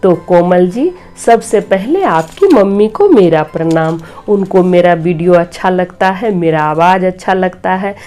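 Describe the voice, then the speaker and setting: A middle-aged woman, slightly hoarse, earnestly telling a devotional story and giving moral advice as host of her channel. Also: lowish voice, measured pace, few pauses, faint music behind. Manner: earnest, preachy, gently advising.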